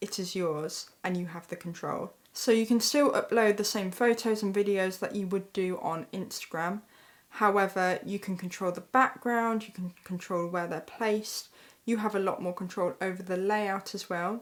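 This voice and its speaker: A woman of medium pitch in a British accent at a moderate pace. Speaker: bridal makeup artist. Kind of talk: casual talk to camera.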